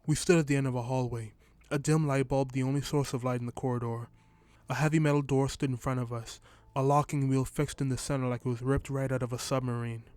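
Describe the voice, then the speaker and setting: A man narrates a first-person short story, reading at a steady, even pace. His voice sits in a middle pitch. The sound is dry and close to the mic. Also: fast, clear, resonant tone, no room sound.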